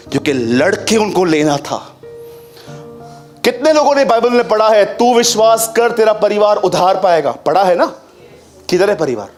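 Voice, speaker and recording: In his sermon, a male pastor keeps posing rhetorical questions to the congregation, slips English phrases into his speech and alternates between loud and quiet delivery.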